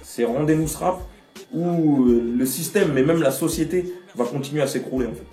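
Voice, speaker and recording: A man's voice: on the high side, moderate pace. A man from French Guiana, a rapper giving an interview, speaking passionately and emphatically with outspoken opinions. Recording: roomy echo, distant mic, faint music.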